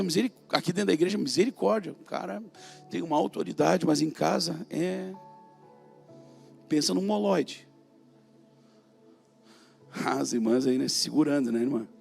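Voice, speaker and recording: Brazilian male preacher, gravelly, emphatic, loud calls and quiet asides, soft music bed. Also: high voice. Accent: Brazilian Portuguese. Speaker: prophet preacher. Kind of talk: sermon.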